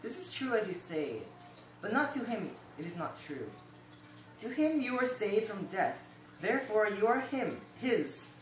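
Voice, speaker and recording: A young woman playing a stern, measured male tribal chief in an amateur puppet show, with a deliberate storytelling delivery. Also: mid-range voice, sing-song, slight background noise. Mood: solemn. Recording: roomy, distant home recording.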